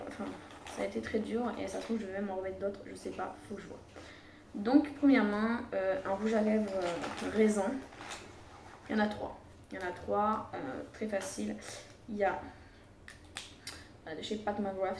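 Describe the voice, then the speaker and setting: A young woman chatting casually while she packs, wandering from one thought to the next and filling pauses with "euh". Her voice sits a little away from the microphone in an echoey room at home. A faint room hum stays underneath. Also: mid-range voice, distant mic. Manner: chatty, rambling with many fillers. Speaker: beauty vlogger. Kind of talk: casual chat.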